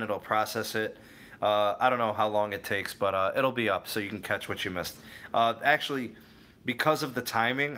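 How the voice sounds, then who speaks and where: Young male livestream host, slightly low, bright tone; relaxed, meandering, talks straight to his chat. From Cleveland area, USA. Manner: rambling, self-correcting, answers viewers by name. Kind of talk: casual live chat reading viewer comments.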